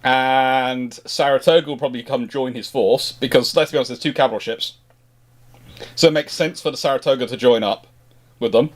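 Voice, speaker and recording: A man's voice: mid-range voice, fairly even intonation, brisk. A man hosting a casual history discussion, talking at length and rephrasing as he reasons through his answers. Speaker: history show host answering questions. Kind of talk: casual speculative discussion, explaining.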